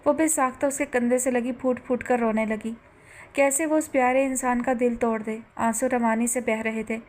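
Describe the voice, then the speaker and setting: Lady reading a romance audiobook, steady, kinda high pitched, flat tone. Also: moderate pace. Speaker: audiobook narrator. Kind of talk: novel audiobook narration.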